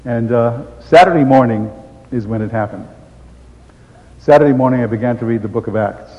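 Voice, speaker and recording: An older man giving an animated storytelling testimony, acting out the voices he quotes. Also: medium pitch, normal speed. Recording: dull sound with long hall reverb.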